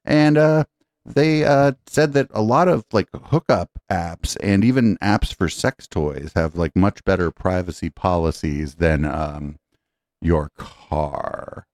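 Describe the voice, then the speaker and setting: A man's voice: low-pitched, takes it slowly, darkish tone, no echo, clean studio sound. A man presenting news stories on a podcast panel, casual and joking, with lots of fillers and restarts. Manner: rambling, joking, many fillers. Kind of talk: casual tech news chat.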